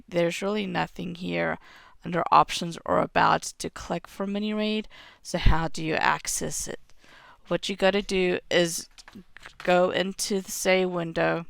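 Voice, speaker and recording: A woman in her thirties with a cough hosts a screen-recorded game tutorial from her home, explaining settings step by step into a headset mic and clearing her throat now and then. Her voice is fairly low, and the sound is clean studio quality with no room sound.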